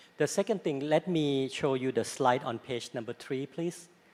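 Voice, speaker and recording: The speaker is a man with an unremarkable speaking voice. His pitch varies in an ordinary way. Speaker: stock exchange executive. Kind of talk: panel discussion.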